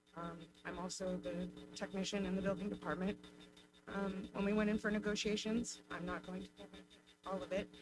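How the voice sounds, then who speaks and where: A woman talks at a fairly quick pace. Room echo is audible and background noise is noticeable. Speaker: union president and city employee. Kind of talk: public comment at council meeting. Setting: city council meeting. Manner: halting.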